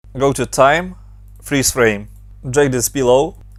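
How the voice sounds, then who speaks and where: A man is speaking. Music plays in the background. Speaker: motion designer, video tutorial creator. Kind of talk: software tutorial.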